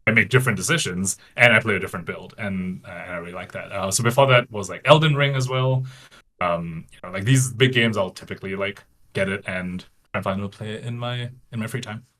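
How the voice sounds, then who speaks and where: Talking fast in a low-ish, pushed, bright voice, a late-twenties Singaporean card game player chats casually as an interview guest on a video call. He's indoors in a small home room, and the recording quality is poor.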